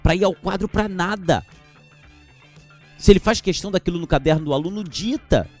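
A man hosting a podcast on teaching, lively and gesturing as he talks. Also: sits high, moderate pace, faint music behind. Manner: animated, gesturing while speaking, mocking teachers' verbal tics. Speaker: podcast host and teacher trainer. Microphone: podcast microphone.

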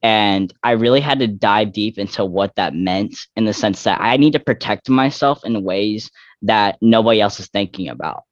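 A young trans man speaks in a low register, working through his thoughts haltingly with lots of fillers and self-corrections. The sound is dry and a bit muffled, as if recorded close on a modest mic. He sounds candid and personal. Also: no echo. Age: young adult. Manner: reflective, halting, many fillers and restarts. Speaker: interview guest.

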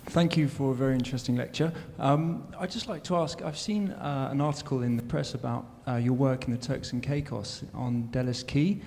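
A man's voice: medium pitch, brisk, gravelly, hardly any pauses. A man in an audience politely thanking a lecturer and asking a formal question, with small fillers. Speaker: audience member. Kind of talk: question from the floor. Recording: reverberant hall with faint noise.

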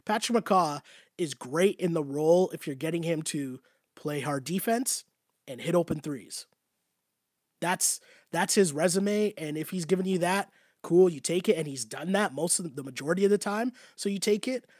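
A man's voice: fairly high pitch, normal speed, a little mellow, no room sound, studio quality. A man losing his voice, hosting a casual basketball talk show and answering his live chat in a chatty way, often tagging his points with "right?". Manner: conversational, repetitive, often asks "right?".

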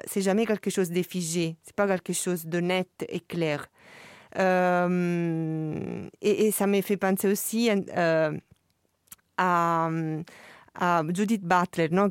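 A woman artist speaking French with a non-native accent, reflecting on her work at a listening session and often pausing and restarting as she searches for words. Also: on the low side, clean tone, no echo, studio quality. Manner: hesitant, searching for words, many fillers and restarts.

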